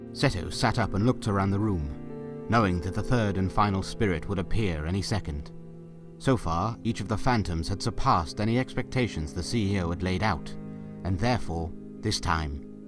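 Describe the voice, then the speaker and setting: Deep-voiced, expressive male narrator. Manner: expressive, theatrical. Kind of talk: dramatic scripted storytelling narration.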